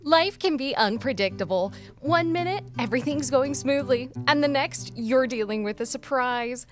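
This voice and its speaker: High-voiced woman reading a radio commercial. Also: animated, normal speed. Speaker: sponsor ad announcer. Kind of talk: scripted radio commercial read. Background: guitar music.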